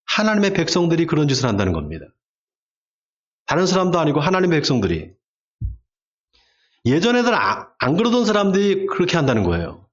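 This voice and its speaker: Animated Korean pastor preaching. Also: male voice, on the high side, fairly quick, long pauses, highs cut off. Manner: acts out shouted quotes in sudden bursts. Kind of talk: sermon. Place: church sanctuary.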